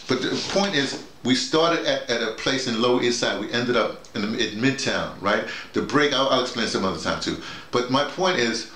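A man's voice: medium pitch, bright, forceful tone. A man, talking casually and emphatically, digressing and repeating his phrases. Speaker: drama workshop leader. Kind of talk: casual conversation, storytelling and explaining. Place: small indoor room with a bed. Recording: echoey room, faint noise.

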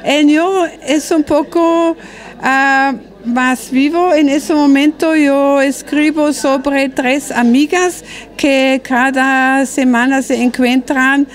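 A woman in her sixties with a German accent, a German native speaker, answering interview questions about her books at a restaurant event; she speaks haltingly, searching for words and restarting often. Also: high voice. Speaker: author. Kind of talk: interview at a book presentation. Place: busy restaurant dining room, indoors. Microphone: handheld interview mic.

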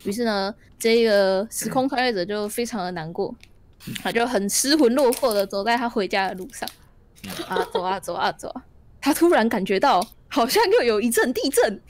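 A woman streamer narrating a story in a tabletop storytelling game, animated and laughing often. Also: a little high, normal speed.

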